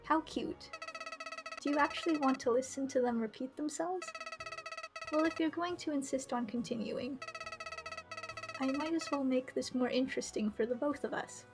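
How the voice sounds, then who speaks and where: A woman's voice: high voice, normal speed, long pauses. A woman voicing a small talking flower in a game, a falsely sweet villain with a mock-friendly, needling manner. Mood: taunting. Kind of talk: visual novel character read aloud. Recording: music behind the voice.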